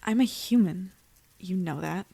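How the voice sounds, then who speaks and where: A woman's voice: on the low side, a little slow, creaky, mellow, breathy edge, exaggerated voice. A woman playing a stubborn young human captive in an audio drama, blunt, indignant and defiant.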